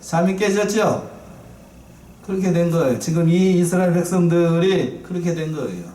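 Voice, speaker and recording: A man preaching a sermon as pastor, lively and playful, asking his congregation questions. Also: high voice, normal speed. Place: church sanctuary. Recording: echoey church from far off.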